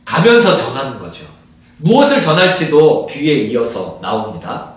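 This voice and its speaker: A man, a pastor, giving an evangelism training lecture in an animated way, acting out little conversations as he teaches. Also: mid-range voice, moderate pace. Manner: animated, acts out little dialogues in different voices. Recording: very echoey room, distant mic.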